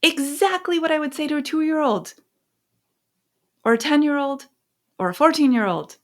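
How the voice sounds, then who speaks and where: A middle-aged American woman sharing personal stories and parenting advice as a podcast host, phrasing things emphatically with deliberate pauses. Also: high voice. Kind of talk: conversational advice and personal storytelling.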